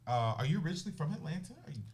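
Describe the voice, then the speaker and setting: A man's voice: a little high, sing-song, rapid-fire, a little mellow, a little hiss or hum. A man hosting an interview, casual and chatty with lots of affirming fillers. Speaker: podcast host.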